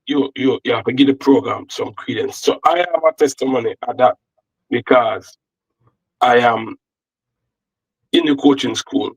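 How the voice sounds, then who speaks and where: A Jamaican man in casual talk about football coaching, circling back and repeating himself as he explains. His voice sits at an ordinary mid pitch. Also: measured pace, vocal fry, long pauses, husky, poor audio. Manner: rambling, repeats words. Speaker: football analyst and co-host. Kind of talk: casual chat.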